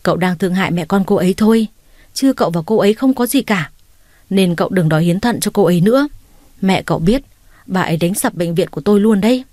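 A woman voicing a nervous young male doctor who argues fast in a storybook reading. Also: medium pitch, expressive, darkish tone, no room sound, close to an everyday voice. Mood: anxious.

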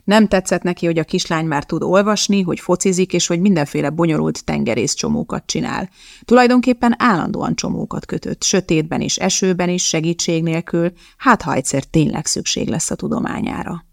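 An audiobook narrator reading a novel in a steady, measured way. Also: mid-range voice, gravelly, no room sound, clean studio sound.

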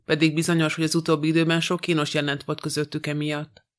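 A man reading the part of a calm, shrewd middle-aged detective in an audiobook, composed and dry. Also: a little high, close to an everyday voice.

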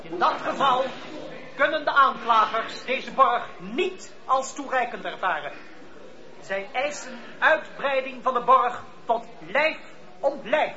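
A man's voice: very high-pitched, lively intonation, takes it slowly, crowd noise, exaggerated voice. An actor playing a hostile, indignant clergyman who prosecutes in court, formal and insistent, in a radio drama. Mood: stern demand. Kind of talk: Dutch radio play acting. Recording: dull, lo-fi radio play recording.

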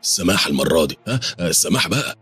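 A man's voice: sits low, fast, soft background music, natural voice. A man with an Egyptian Arabic accent voicing a cowardly male overseer who stammers before his master and bullies the servants. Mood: groveling. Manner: stammering, pleading, then barking orders.

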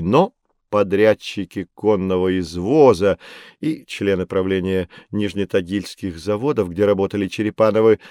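A man's voice: fairly low pitch, dry recording, clean studio sound, close to an everyday voice. A middle-aged man playing an expert who patiently explains history to children in a scripted educational audiobook. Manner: calm, patient, measured explaining. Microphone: studio microphone.

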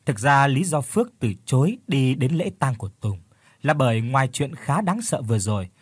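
A man narrating a horror story as a scripted audiobook, in an expressive storytelling manner. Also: medium pitch, normal speed, husky, no echo.

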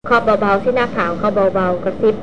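A woman narrating a novel aloud in steady storytelling. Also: medium pitch, brisk, dull audio, background noise. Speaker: audiobook narrator.

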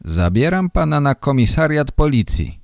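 A man voicing a stern, official male policeman in a slow read-aloud story for learners. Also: fairly high pitch, very animated, vocal fry, no room sound, clean studio sound, pitched above the performer's own voice. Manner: curt and official. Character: stern small-town male policeman, curt.

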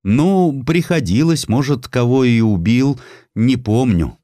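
Shifty former bandit witness acted by a man, colloquial, evasive, lifted pitch, radio play. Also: lively intonation, a little slow, dark tone, dry recording, studio quality, lightly acted.

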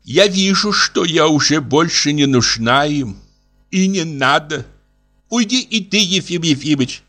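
A man's voice: a little high, expressive, a little slow, sharp tone, soft background music, pitched above the performer's own voice. A man voicing an old general's widow who whines and sulks, tearful and self-pitying. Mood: wounded. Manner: tearful, wheedling.

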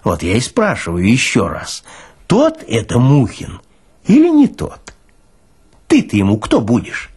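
A man's voice: mid-range voice, wildly swooping pitch, unhurried, darkish tone, husky, heavily acted. A man voicing a burly, smirking senior morgue orderly in an audiobook, with a folksy, mocking, philosophizing way of talking. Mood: needling, insistent. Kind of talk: dramatized audiobook character reading.

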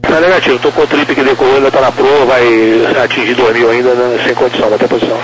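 A man's voice: medium pitch, level tone, quick pace. A man with a Brazilian accent working as a tower controller, giving terse, slightly informal instructions over crackly radio. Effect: crackly radio transmission. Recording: noisy crackly airband radio.

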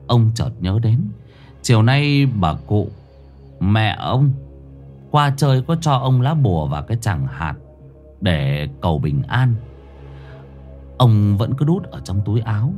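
A man narrating a ghost story in a dramatic manner, slowing down for suspense. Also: fairly low pitch, a little mellow.

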